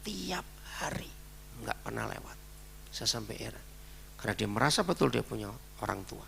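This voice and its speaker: A man's voice: fairly low pitch, fairly quick, gravelly, fairly bright tone, slight background noise. A man preaching a sermon with an Indonesian accent, telling a story and acting out the dialogue in it.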